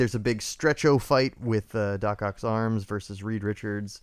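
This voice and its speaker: This is a very clean recording with a silent background. The speaker is a man. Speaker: comic book podcast host. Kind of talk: casual chat.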